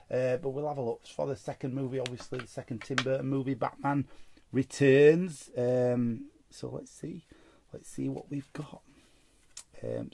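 A man's voice: mid-range voice, creaky, darkish tone. A man hosting his own card-opening show, chatting casually and rambling with muttered asides as he looks through cards. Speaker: card-opening channel host. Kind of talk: casual unboxing commentary.

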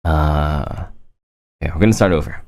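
A man's voice: a bass voice, measured pace, darkish tone. A man chatting casually as a streamer and voice actor, hesitant and often repeating himself. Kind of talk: casual livestream chat.

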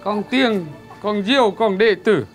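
A woman's voice: medium pitch, unhurried, music in the background, close to an everyday voice. An actress playing a bossy, harsh young village woman who scolds and orders people around, in a television drama. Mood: scolding.

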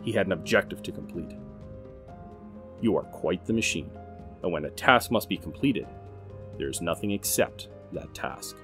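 A man's voice: low-pitched, lively intonation, moderate pace, long pauses, a bit bright, soft background music. A man reading dramatic scripted narration as a narrator, intense and emphatic.

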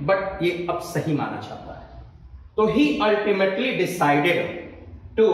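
A man teaching an exam-prep grammar lesson, reading English example sentences slowly and explaining quickly in Hindi. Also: sits high, far from the mic. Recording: very echoey room, voice from off-mic.

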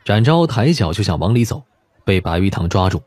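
A man's voice: lowish voice, sing-song, brisk, darkish tone, husky, dry recording. A man reading a detective audiobook as a scripted narration. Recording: music behind the voice.

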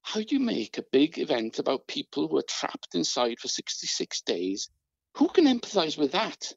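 A man acts a worried, earnest British events worker in a radio play. His hesitant speech moves widely in pitch. The sound is dry and a little dull. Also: huge pitch swings, moderate pace, gravelly, no room sound, heavily acted. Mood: anxious. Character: anxious, earnest male events project worker. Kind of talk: radio drama. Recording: dry, slightly muffled.

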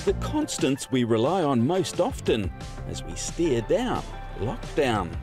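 Very animated New Zealand man narrating. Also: mid-range voice, slow pace. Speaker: TV reporter. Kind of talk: scripted news feature narration. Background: music.

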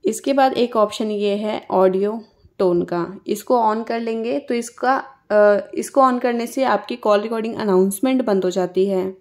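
A woman with an Indian accent presents a step-by-step tutorial. Her voice sits at a medium pitch, and she explains each step in a casual, conversational way, like a host guiding viewers through a phone. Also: normal speed, a little mellow. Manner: instructional, conversational.

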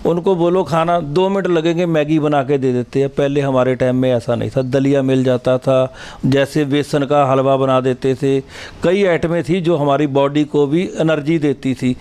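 A man's voice: mid-range voice, darkish tone, clear, resonant tone. A middle-aged man from Punjab, a dentist giving earnest, plain-spoken advice in an interview. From Punjab, India. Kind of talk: interview answers.

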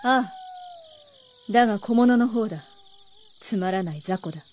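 A woman playing a grave, composed valkyrie in a Japanese radio drama, speaking formally and with measured authority. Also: fairly high pitch, darkish tone, slight background noise, lightly acted. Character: solemn, composed battle goddess, a valkyrie.

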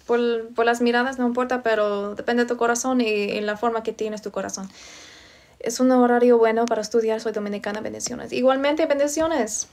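A woman's voice: a little high, fairly even intonation, brisk. A young woman from Virginia hosting a casual phone livestream at home, reading out and answering viewers' comments, greeting them by name. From United States, Virginia. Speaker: livestream host. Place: indoors, home room. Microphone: phone held close.

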